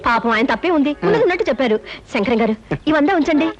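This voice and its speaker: A courteous housewife who soothes and thanks people. She speaks briskly in a slightly high voice on a dull film soundtrack. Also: animated. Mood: polite. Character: polite, gentle middle-aged housewife. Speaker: film actor. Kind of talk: film dialogue.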